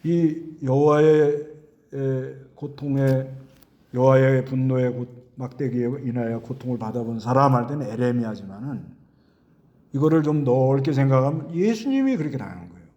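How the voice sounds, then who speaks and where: A man's voice: medium pitch, normal speed, mellow, highs cut off. A middle-aged male pastor giving a conversational sermon and putting questions to the congregation.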